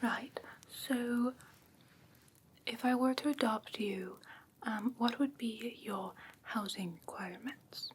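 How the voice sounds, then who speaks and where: A woman voicing an ancient, haughty yet curious fae in a soft breathy whisper for an ASMR fantasy roleplay, halting and matter-of-fact. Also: a little high. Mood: appraising, haughty. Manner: unhurried, matter-of-fact, faintly condescending, halting. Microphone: close ASMR microphone. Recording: close-miked with clear background ambient noise.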